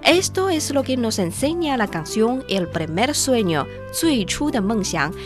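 Slow-spoken woman. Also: fairly high pitch, very animated, over music. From China. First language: Chinese. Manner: slow, careful, drilling pronunciation. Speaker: language teacher and co-host. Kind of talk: radio language lesson.

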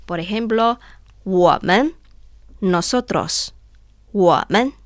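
A woman co-hosting a radio language lesson speaks slowly and carefully, drilling pronunciation; she is from China and her first language is Chinese. Her mid-range voice is recorded at studio quality with no echo.

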